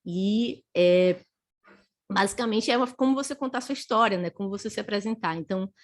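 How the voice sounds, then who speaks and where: A woman's voice: mid-range voice, a little fast. A woman giving a live online career talk, chatting to viewers and tagging her phrases with a questioning "né?". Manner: chatty, tags nearly every phrase with a questioning "né?"; reads and answers viewer comments as she goes. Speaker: career speaker.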